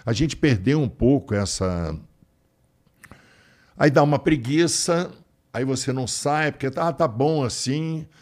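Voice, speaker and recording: A man from Rio talking as a guest in a casual interview, rambling warmly with many restarts. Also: mid-range voice, unhurried, long pauses. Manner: warm, rambling, affectionate storyteller with frequent restarts.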